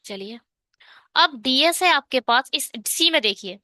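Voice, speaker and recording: A woman's voice: high-pitched, animated, unhurried, bright, forceful tone, no echo, clean studio sound. A woman teaching an online exam-prep math lesson, working through a problem step by step and asking and answering her own questions.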